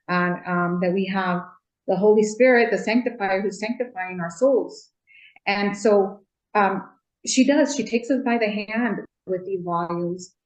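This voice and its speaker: A woman who is a religious sister, answering gently in an interview with many ums and restarts. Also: mid-range voice, roomy sound, rough recording.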